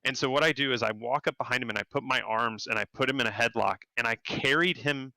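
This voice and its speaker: Low gravelly guy, bright edge, dry close sound, telling wild work stories in an interview. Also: fast, dry recording, rough recording. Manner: animated, acts out quotes in a higher voice. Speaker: game developer guest. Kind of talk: casual storytelling interview.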